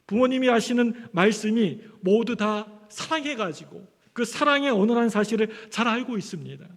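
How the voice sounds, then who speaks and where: A man preaching a sermon as pastor, telling stories animatedly and acting out the voices of parents and children. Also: high voice. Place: church sanctuary. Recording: long church hall reverb.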